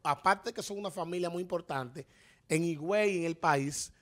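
A man's voice: fairly high pitch, normal speed. A man in his thirties with a Dominican accent, co-hosting a studio talk show, emphatic and gesturing, full of rhetorical questions. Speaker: radio show co-host. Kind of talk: casual panel commentary. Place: TV-radio studio. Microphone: studio microphone on desk stand.

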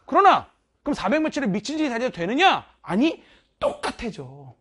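Woman math teacher, blunt pep talk, husky voice, animated swings in pitch. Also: normal speed. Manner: blunt, emphatic, chatty, scolding banter. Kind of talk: casual motivational talk to students.

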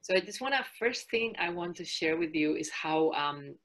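A woman in her forties from Spain with a Spanish accent, presenting a fitness webinar as a trainer and health coach in a calm, soft-spoken way. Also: fairly low pitch, moderate pace.

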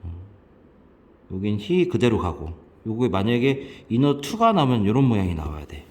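A man's voice: moderate pace, slight background noise. A man teaching English grammar from a textbook, asking questions and answering them himself. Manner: lively, asks students questions and answers himself; sudden jumps in pitch on English words. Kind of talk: explaining a textbook passage.

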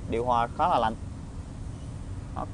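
A man with a southern Vietnamese accent giving an informal used car salesman's walkaround pitch, halting often with hesitations and tag words. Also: low-quality recording. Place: outdoor car lot, partly inside a car. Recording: outdoor phone recording with traffic ambience.

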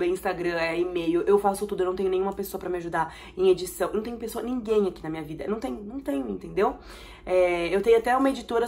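A young woman with a Brazilian Portuguese accent, chatting expressively while reacting to viewer comments in a vlog, with sudden excited bursts. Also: mid-range voice. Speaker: vlogger.

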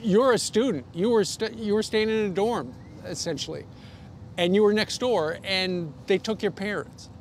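A high-voiced American man in his sixties hosts a live news interview. His delivery is conversational and halting. City noise sits behind him in the open air. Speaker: TV news host interviewing guests. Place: outdoor rooftop terrace in a city. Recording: outdoor live broadcast, clear background noise.

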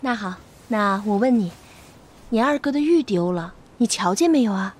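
An actress playing a worried young maidservant in a period TV drama, coaxing and pleading. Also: female voice, medium pitch, lively intonation, normal speed, lightly acted. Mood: anxious coaxing.

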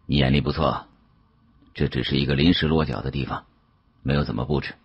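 A man voicing a genial, shrewd older government director in an audiobook, unhurried, probing and patronising. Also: rumbling low, fairly even intonation, slightly rough, dry recording, highs cut off, exaggerated voice.

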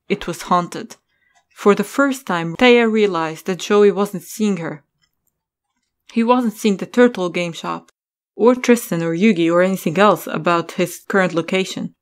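A woman reading scripted story narration as the narrator of an audio drama. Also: medium pitch.

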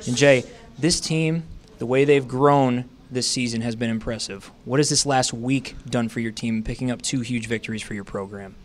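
A young man, a sports reporter, asking smooth prepared postgame questions into a handheld mic. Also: mid-range voice, moderate pace. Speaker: sideline reporter. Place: indoor interview backdrop.

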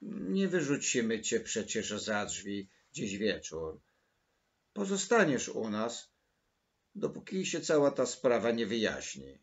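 A man voicing a stern older spinster woman with a sharp, scolding way of exclaiming. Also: lowish voice, huge pitch swings, slow pace, lo-fi sound, full character voice. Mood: gruff.

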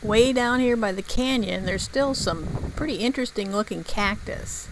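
A woman narrating her outdoor travel vlog in a measured, informative scripted voice-over. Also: mid-range voice, vocal fry, background noise. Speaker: travel vlogger.

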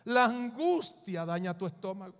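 High-voiced emphatic male preacher. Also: big pitch swings, normal speed, long reverb tail. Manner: emphatic, repeats lists for the congregation. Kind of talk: sermon.

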